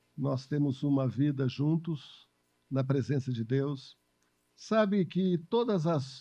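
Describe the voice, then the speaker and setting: A man's fairly high, dark, mellow voice at a very slow pace, with ordinary pitch variation against a quiet background. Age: 60s. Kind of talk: podcast interview, personal testimony.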